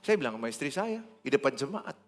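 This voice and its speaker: A man, preaching a sermon in church in an animated, joking way. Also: medium pitch, fast, faint music behind. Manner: animated, joking, acts out dialogue. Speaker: pastor.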